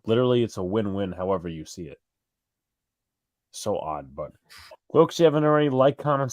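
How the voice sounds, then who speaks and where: A man with a New York accent co-hosts a live fan stream, doing casual play-by-play and chatting with viewers while rambling and correcting himself. His voice is lowish, recorded at studio quality with no room sound.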